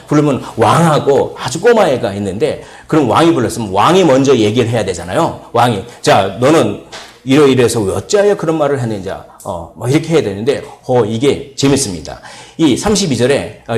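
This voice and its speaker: A man from South Korea preaching a sermon as pastor, telling the story in a lively way and acting out the characters' dialogue. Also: medium pitch. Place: church sanctuary.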